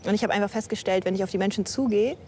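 A woman pastor in her thirties speaks in a plain, open and reflective way, at an everyday pitch. Her talk is relaxed and conversational, with a faint hiss of background noise. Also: very fast. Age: 30s. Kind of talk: casual interview talk.

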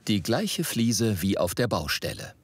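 A man reading scripted voice-over narration for a TV report in a measured, even way. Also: on the low side, crowd noise. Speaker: documentary narrator.

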